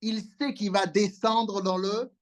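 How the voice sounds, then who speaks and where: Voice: mid-range voice, steady tone, takes it slowly. A preacher delivering an impassioned sermon over a video call, calling out for amens and responses.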